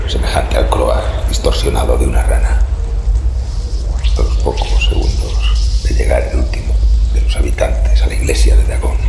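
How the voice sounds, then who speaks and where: A man playing a sinister old half-amphibian villager in a horror audio drama, telling his tale slowly and courteously in a whispery rasp. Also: full character voice. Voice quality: very deep, gravelly, whispery rasp. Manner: slow, deliberate storytelling with menacing pauses. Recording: echoey with clear background noise.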